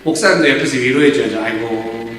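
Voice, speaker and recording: A man's voice: fairly high pitch, very animated, brisk. A middle-aged man preaching a sermon as pastor, talking conversationally and acting out quoted dialogue with humor. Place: church sanctuary. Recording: echoey church hall from a distant mic, faint room noise.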